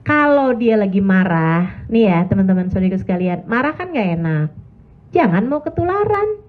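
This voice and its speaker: A middle-aged woman preacher giving casual religious advice to wives, telling stories lively and acting out the quotes. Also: mid-range voice, normal speed. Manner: lively storytelling, acts out quotes. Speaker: Islamic preacher. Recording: tinny phone-like sound.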